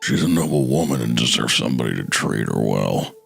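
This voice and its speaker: A man voicing an earnest, sentimental gallant gentleman in a gravelly, husky murmur. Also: rumbling low, animated, fairly quick, soft background music, voice pushed down, heavily acted. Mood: wistful murmur.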